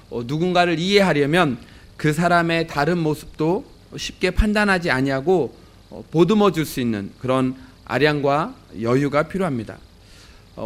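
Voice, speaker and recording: A male pastor preaching a sermon, telling a story in a measured way with frequent filler sounds. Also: a little high, fairly bright tone.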